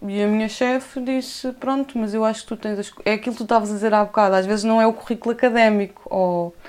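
Speaking in a normal speaking voice, a woman with a fairly high pitch goes at a fairly quick pace on a very clean recording with a silent background. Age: 30s. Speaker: nurse. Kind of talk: casual chat.

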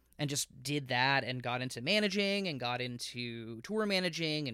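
A man speaks in an animated tone with lively intonation and a bright, sharp voice, pitched fairly high, with an American accent at a moderate pace. The recording is very clean, with a silent background. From Florida (Miami area). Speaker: musician and small business owner. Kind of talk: casual chat.

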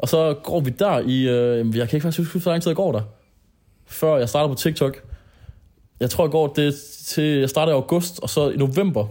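With a fairly high pitch and a dark, mellow tone, a man talks at a moderate pace, leaving long, frequent pauses. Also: ordinary pitch variation. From Denmark, North Jutland (Aalborg). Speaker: Twitch streamer. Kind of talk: casual chat. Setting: at his apartment.

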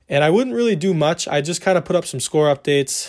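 This man talks fairly quickly with an American accent and an unremarkable speaking voice. His pitch varies an ordinary amount, and the recording is very clean with a silent background. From Minnesota. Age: 20s. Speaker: podcast host, college student and social media creator. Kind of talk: casual solo monologue. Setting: home recording with camera and ring light.

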